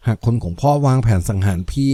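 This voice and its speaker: A man's voice: on the low side, lively intonation, quick pace, warm tone, dry recording, natural voice. A man voicing a bold young woman, a gangster's daughter, who speaks in a raised, pleading, urgent way.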